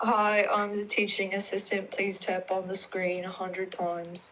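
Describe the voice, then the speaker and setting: A female-sounding, put-on character voice comes across as robotic, medium in pitch and flatly monotone at a moderate pace. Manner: robotic, monotone.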